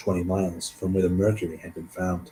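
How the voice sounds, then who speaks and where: This man's voice is somewhat breathy, with a dark, mellow tone and a fairly low pitch. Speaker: livestream host reading true crime cases. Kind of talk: reading aloud with live reactions. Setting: livestream. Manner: fast; halting, self-correcting.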